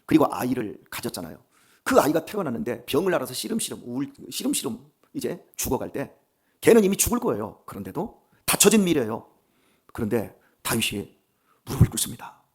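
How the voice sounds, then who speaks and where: Fervent, husky-voiced male pastor. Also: medium pitch, wildly swooping pitch, a little fast, darkish tone. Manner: fervent, emphatic, dramatic storytelling. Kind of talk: dawn sermon.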